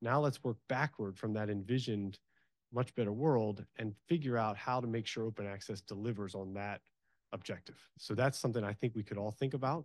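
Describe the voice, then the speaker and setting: At a moderate pace, a man speaks with a dry sound and no echo. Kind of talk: public remarks at a workshop. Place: hall. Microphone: handheld.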